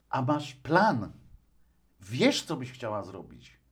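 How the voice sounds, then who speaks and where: Audible room echo surrounds a man whose voice is medium in pitch and somewhat breathy. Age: 50s. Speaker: former journalist and radio host. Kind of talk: interview about depression.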